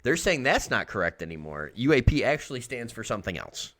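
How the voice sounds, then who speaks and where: A man co-hosting a casual podcast, talking in an animated way, swearing freely and saying "like" a lot. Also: mid-range voice, fairly quick. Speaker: podcast co-host. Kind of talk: casual chat.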